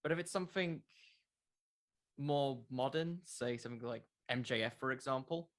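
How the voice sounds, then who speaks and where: This interview guest, a twenty-something podcast creator, has a mid-range voice and talks at a moderate pace. The conversation is casual and reflective, though he often stalls, starts over and uses filler words.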